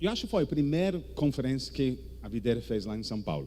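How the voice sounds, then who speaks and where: With a non-native accent, a man speaks in a dark, mellow tone. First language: English (speaking Portuguese). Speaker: visiting evangelist preacher. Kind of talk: sermon. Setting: church service. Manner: animated; halting.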